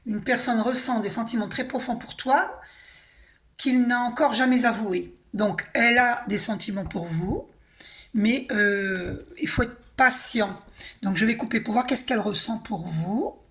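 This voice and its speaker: A hoarse woman giving a casual, reassuring spiritual card reading, often clearing her throat and asking "d'accord?". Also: fairly high pitch, a little slow, fairly bright tone. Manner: chatty, reassuring, tag questions like hein and d'accord. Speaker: tarot and oracle card reader.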